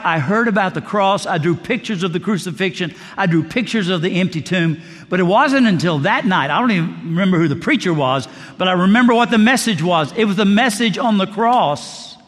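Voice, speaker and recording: An older male pastor preaching a sermon in a conversational, joking way, dropping to a soft voice on key words. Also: high-pitched. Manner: conversational, jokey preaching with sudden soft drops. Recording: long reverb of a large hall.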